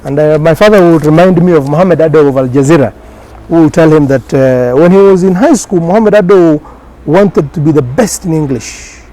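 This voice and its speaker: A man with a fairly high-pitched yet dark-toned voice speaks briskly, captured in a low-quality recording. Originally from Garissa, Kenya, and a first-language Somali speaker, he's a journalist guest recounting his career in a casual interview. His talk is peppered with fillers and restarts.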